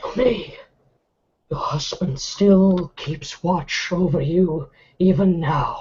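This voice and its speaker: A loud, raspy put-on character voice at middle pitch and a very slow pace. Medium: actual play. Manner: calling out urgently.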